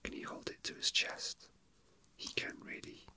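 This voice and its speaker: Someone whispering breathily and unhurriedly, murmuring casually to themselves in an ASMR style, close to the microphone. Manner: soft, unhurried, murmuring to self. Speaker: toy unboxing video host.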